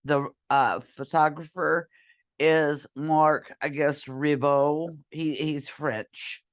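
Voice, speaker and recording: Brief: hoarse woman, voice half gone, slow unhurried screen-share tutorial, throat clearing, computer mic. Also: deep voice, fairly even intonation. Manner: slow, halting, clears throat often, apologetic. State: losing her voice, hoarse and whispery. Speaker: college librarian or instructor.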